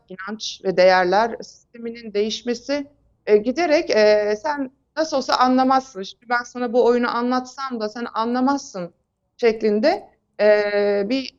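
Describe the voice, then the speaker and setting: Woman expert on a talk show, kinda high voice, halting explanations, bit muffled sound. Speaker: expert guest, psychological counselor and psychotherapist. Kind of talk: explanatory interview answers.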